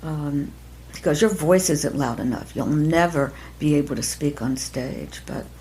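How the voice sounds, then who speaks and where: An older woman speaks in a low, gravelly voice with a faint hiss in the background. She is an acting teacher. She recalls her past softly and haltingly, pausing and restarting often. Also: rough recording. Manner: soft-spoken, halting, many pauses and restarts. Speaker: acting teacher, podcast guest. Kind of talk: reflective interview conversation.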